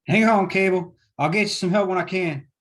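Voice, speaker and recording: High, husky, urgent gunfighter a man acting. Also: fairly quick. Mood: urgent alarm. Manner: forceful, urgent. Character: urgent, loyal male gunfighter.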